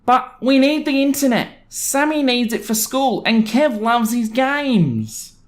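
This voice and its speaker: A man's voice: very high-pitched, animated, measured pace, pitched above the performer's own voice. A man voicing an entitled, whiny neighbour's wife in a pleading, strained voice for an online story reading. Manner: pleading, wheedling.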